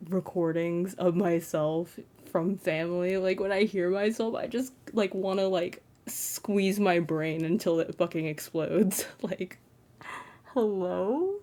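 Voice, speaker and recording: A young trans man with a feminine-sounding, fairly flat voice, rambling self-consciously in a casual late-night vlog from his bedroom, full of "like" fillers. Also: sits high. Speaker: content creator.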